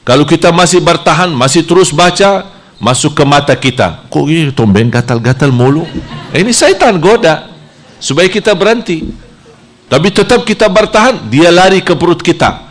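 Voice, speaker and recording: Speaking at a normal pace, a Saudi man preaches animatedly, his voice leaping high as he dramatizes temptations.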